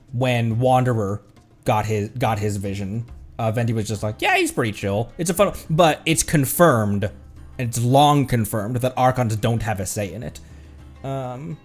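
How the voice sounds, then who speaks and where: A man's voice: on the low side, a little mellow. A man streaming a game with casual, musing commentary, often repeating phrases as he works through his thoughts.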